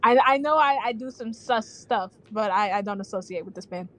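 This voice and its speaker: A woman's voice: mid-range voice, fairly quick, fairly bright tone. A woman chatting with friends in a tabletop game stream, playful and giggly. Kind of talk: casual chat.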